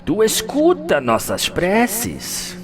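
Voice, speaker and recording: A man voicing a mad scholar villain in an audio drama, theatrical, with drawn-out exclamations. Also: high voice, wildly swooping pitch, music in the background, pitched above the performer's own voice, heavily acted. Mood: reverent, fervent. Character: mad male scholar villain, host of a nightmare.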